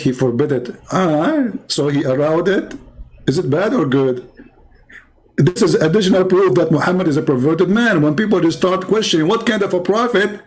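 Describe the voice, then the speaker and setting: A man's voice: mid-range voice, darkish tone, low-quality recording. A middle-aged man giving sarcastic commentary in broken English, reading from a website and mocking what he reads. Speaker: online religious debater.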